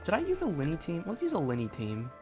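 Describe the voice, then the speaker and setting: A man's voice: fairly high pitch, wildly swooping pitch, fast talker. A man giving casual gameplay commentary, rambling as he thinks aloud. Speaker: gamer, streamer. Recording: game music behind.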